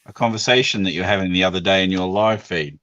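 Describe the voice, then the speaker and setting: A man's voice: deep voice, quick pace, lo-fi sound, background noise. A man explaining things patiently in casual chat, with a teasing edge.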